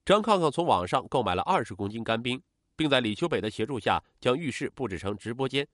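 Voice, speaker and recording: A man tells a true-crime case as scripted narration, his mid-range voice rising and falling with lively, dramatic intonation. He is recorded close on a studio mic with a dry, dead sound and no room around it. His delivery stays steady, like a regular host reading a long-running series. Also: medium pitch, fast talker, no echo.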